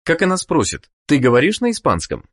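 A man narrating a scripted language course, giving clear prompts to the learner. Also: fairly high pitch, huge pitch swings, a little fast, fairly bright tone.

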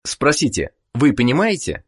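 Male instructor narrator, husky tone, animated pitch, measured scripted prompts. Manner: measured, prompting the listener to repeat. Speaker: language course narrator.

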